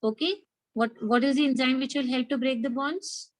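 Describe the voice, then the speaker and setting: Woman, South Asian accent, slightly high pitch, dry sound, interactive lecturing, instructive, repetitive prompting. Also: steady tone, normal speed, dry recording, rough recording. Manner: instructive, repeats key points, prompts with questions. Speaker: biology teacher. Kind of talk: interactive lecture with questions to students.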